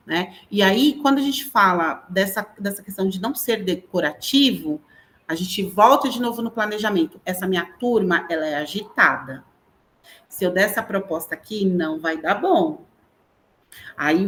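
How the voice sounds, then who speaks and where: Bright-voiced Brazilian woman educator. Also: medium pitch. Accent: Brazilian Portuguese. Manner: animated, frequent tag questions. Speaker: educator guest. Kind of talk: conversational interview talk.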